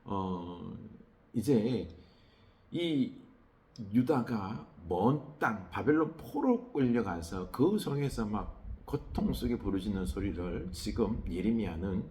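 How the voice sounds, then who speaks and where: Gravelly, lively male preacher. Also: lowish voice. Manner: conversational preaching with rhetorical tag questions; frequent hesitation fillers. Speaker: pastor. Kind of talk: early-morning prayer sermon.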